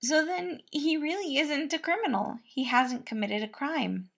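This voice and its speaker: A sweet, eager young male cook played by a woman speaks in a raised, high voice. He is gentle and reassuring, bubbling along with small hesitations, in the manner of an audiobook fantasy tale. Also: measured pace, vocal fry. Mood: earnest reassurance. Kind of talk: acted dialogue in fan-fiction audiobook.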